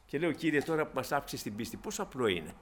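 A man preaching a sermon, emphatic, swinging from loud declarations to quiet asides and acting out the Bible figures. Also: mid-range voice, very animated, slight background noise.

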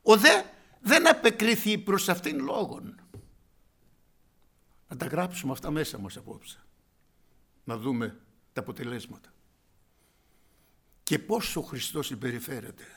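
A man preaching a sermon, calling out loudly and then dropping to a hushed whisper, addressing his listeners as brothers and sisters. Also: fairly high pitch, sing-song, long pauses, husky. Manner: swings from loud exclamations to hushed whispers. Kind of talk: evangelical sermon.

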